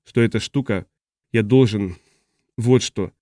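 A man reading the part of a confused, agitated man who has lost his memory, in a fretful, halting way. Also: lowish voice, mellow, dry recording, studio quality, natural voice. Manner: fretful, halting, trailing off mid-sentence. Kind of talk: audiobook character reading.

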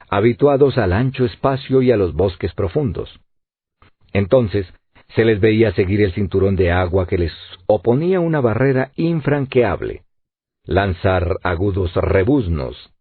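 Male audiobook narrator, expressive and lively, low husky voice, dry narrow audio. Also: no room sound. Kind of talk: scripted narration. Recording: narrow phone-like sound, dry.

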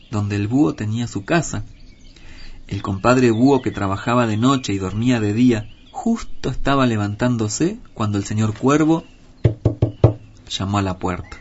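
A man's voice: fairly low pitch, slightly rough. Man reading a children's tale aloud. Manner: measured, expressive reading. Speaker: storyteller. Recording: dull lo-fi with faint hiss.

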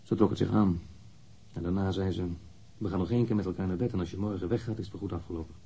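An actor playing a defensive, wounded lover under police questioning in a radio drama, speaking bluntly and candidly. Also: male voice, sits low, fairly even intonation, rapid-fire, warm tone, a little hiss or hum. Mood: wistful, sincere.

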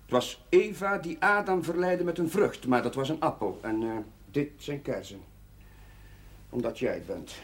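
An earnest Catholic priest in a Dutch television drama. His slightly husky voice sits rather high and moves in lively swings, hesitant and formal, with a kindly but admonishing manner. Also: moderate pace. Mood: stern, admonishing.

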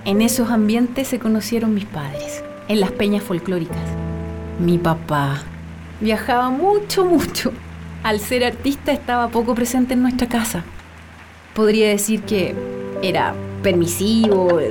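A young woman acting in a radio drama as a daughter fondly remembering her folk-singer father, speaking in a gentle, reflective way. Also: on the high side, expressive, unhurried. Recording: music playing under the voice. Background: music.

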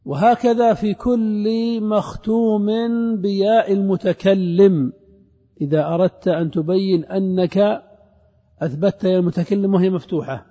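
A man's voice: sits high, fairly even intonation, warm tone. Man teaching grammar in an echoing hall. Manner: asks the class questions and answers them, repeats examples slowly. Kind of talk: classroom lecture on Arabic grammar. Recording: dull lo-fi recording with long hall reverb.

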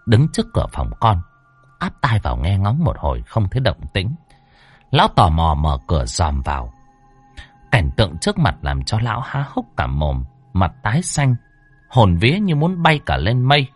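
A man narrating a ghost story in an expressive storytelling manner. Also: on the low side, normal speed, husky, soft background music.

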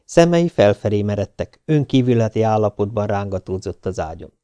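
A man reading an audiobook in an even, measured way. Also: lowish voice, clean tone, no room sound. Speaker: audiobook narrator. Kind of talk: audiobook narration.

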